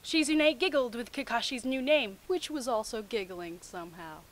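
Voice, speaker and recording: A young woman with a fairly high voice reads amateur fiction aloud. She breaks off for sarcastic, incredulous commentary in a conversational way. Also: moderate pace. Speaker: host of a comic fan fiction reading series. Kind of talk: reading fan fiction aloud with mocking commentary.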